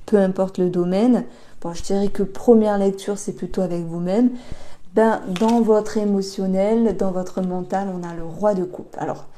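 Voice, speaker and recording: A woman giving an intuitive tarot reading for a star sign, talking slowly and reflectively with many pauses and hesitations. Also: medium pitch, mellow. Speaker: tarot reader.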